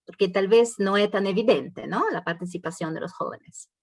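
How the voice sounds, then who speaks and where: A woman's voice: mid-range voice, moderate pace, no echo. A woman moderating an online panel, passing along audience questions in a hesitant way full of fillers. Her voice is dry and close, with no room sound. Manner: hesitant, many fillers while reading questions.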